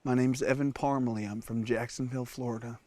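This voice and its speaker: An actor playing a lost, cold and hungry survival-show star whose confession swings between sobbing and panic. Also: male voice, mid-range voice, steady tone, moderate pace, darkish tone, dry recording, close to an everyday voice. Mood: quiet, resigned. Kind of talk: comic monologue acting.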